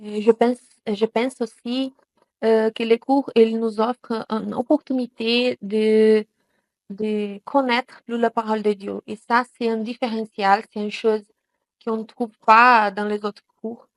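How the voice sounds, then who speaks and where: A Brazilian woman, a native Portuguese speaker, gives a hesitant testimonial in French, with many pauses and fillers. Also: fairly high pitch, fairly even intonation, dry recording. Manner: hesitant, many fillers and restarts in a second language. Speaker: student giving a testimonial. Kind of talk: spontaneous testimonial.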